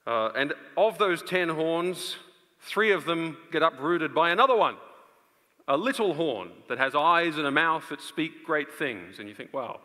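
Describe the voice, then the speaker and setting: Male conference preacher, thirties, slightly high forceful voice, emphatic Bible teaching delivered from an auditorium stage. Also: expressive, a little slow. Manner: emphatic, explanatory, with rhetorical questions. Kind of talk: expository Bible lecture to a live audience. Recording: reverberant large hall.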